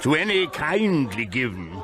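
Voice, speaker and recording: An actor playing a jolly giant Christmas spirit in a radio drama, hearty and grand, given to laughter. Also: male voice, medium pitch, sing-song, measured pace, crowd noise. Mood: solemn, kindly.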